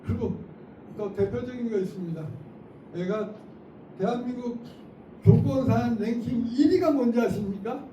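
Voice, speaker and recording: A middle-aged man with a high voice lectures a room of teachers, acting out what students and teachers say. He sounds distant from the mic, with a lot of room echo. Background noise runs under his voice. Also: normal speed, pauses often. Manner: lively, acts out classroom lines, laughs often. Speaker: teacher trainer. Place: school auditorium. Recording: echoey hall, mic from far off, noisy.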